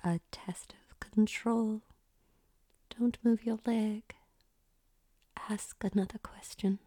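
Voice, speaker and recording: A woman voicing a young foreign woman who gives orders in a measured, formal whisper. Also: mid-range voice, flat delivery, mellow, no room sound. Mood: cool commanding. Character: commanding foreign young woman, cool and controlled.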